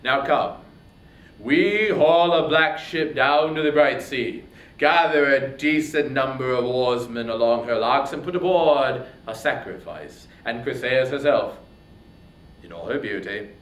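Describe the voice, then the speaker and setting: A man voicing a proud, wrathful, grasping warrior king in a dramatic reading of epic poetry, declaiming haughtily and swinging between hushed and thundering. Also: mid-range voice, a little slow, reverberant, lightly acted. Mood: menacing command.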